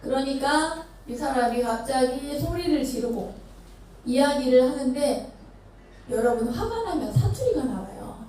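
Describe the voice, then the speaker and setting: A Buddhist nun from Chungcheong tells a story to her temple congregation in a fairly high, mellow voice. She keeps asking the listeners questions. She was recorded from across a very echoey hall, with faint noise underneath. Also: unhurried, far from the mic. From Chungcheong Province, Korea. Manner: lively storytelling, asks the audience questions. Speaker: Buddhist nun giving a dharma talk. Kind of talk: storytelling sermon. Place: temple dharma hall with an audience.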